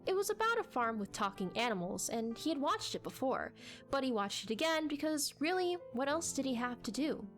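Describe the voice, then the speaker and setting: A woman's voice: high-pitched, very animated, brisk, fairly bright tone, soft background music. A woman reading scripted story narration in a dramatic audiobook style.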